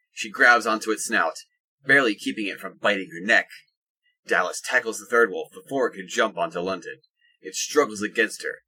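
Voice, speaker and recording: A man narrating a scripted audio drama in a husky voice. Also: on the low side, sharp tone, rough recording.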